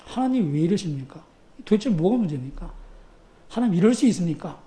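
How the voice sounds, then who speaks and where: Brief: a pastor doing an indignant, pleading male prophet in a sermon, raised pitch, echoey church. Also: lively intonation, fairly quick, warm tone. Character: exasperated male prophet protesting to God.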